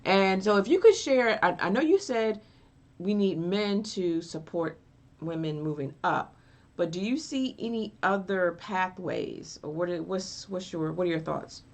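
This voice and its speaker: A woman's voice: lowish voice, lively intonation, unhurried, a little mellow. A woman hosting a radio interview, affirming and encouraging her guest. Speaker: radio show host.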